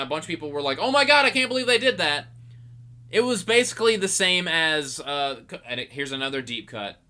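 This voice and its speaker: A young man with a very bright, sharp voice, pitched a bit high for a man. He hosts a podcast and rambles through an excited movie review, stumbling over his words and restarting often. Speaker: podcast host. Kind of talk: casual movie review monologue.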